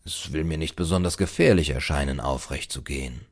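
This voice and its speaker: A man voicing a courteous, sceptical male traveller in a storybook, measured and questioning. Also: a bass voice, a little mellow, voice pushed down.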